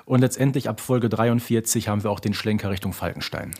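A man's voice: on the low side, fast, darkish tone, slightly rough. Matter-of-fact man co-hosting a fan podcast. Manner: matter-of-fact, precise with details. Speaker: podcast co-host. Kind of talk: casual, informative fan discussion.

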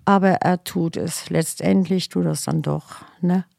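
Slow, gravelly woman in her fifties. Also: on the low side, steady tone, darkish tone, no room sound, studio quality. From Germany. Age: 50s. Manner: self-mocking, laughs at herself. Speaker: interview guest. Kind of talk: casual personal account.

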